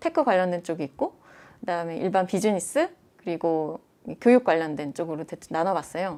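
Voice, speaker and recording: On a very clean recording with a silent background, a woman with a plain, everyday voice speaks at a medium pitch and moderate pace with lively intonation. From South Korea. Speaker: CEO of a career-support startup. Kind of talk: interview.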